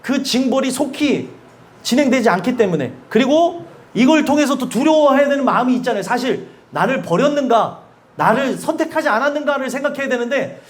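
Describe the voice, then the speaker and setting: A male pastor preaching a sermon in a church, animated, asking the congregation questions and laughing between points. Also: very high voice, a little fast. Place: church sanctuary.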